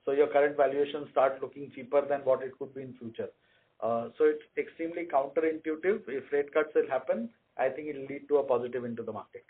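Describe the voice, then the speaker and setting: Guy exec explaining stuff to analysts on a conference call, methodical, thin phone sound, mid pitch. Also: quick pace, slightly rough, phone-quality sound. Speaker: company executive answering analysts' questions. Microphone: conference call line.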